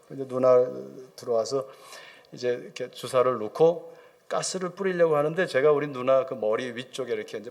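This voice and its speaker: A middle-aged man preaching in church, telling a personal story vividly and acting out the voices of the people in it, with English phrases mixed in. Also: medium pitch. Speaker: preacher, Old Testament professor. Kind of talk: sermon storytelling. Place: church sanctuary.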